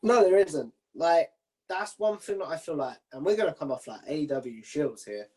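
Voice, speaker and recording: A man's voice: fairly high pitch, lively intonation, normal speed, mellow. A man hosting a casual interview in an informal, matey, conversational way. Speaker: interviewer, video channel host.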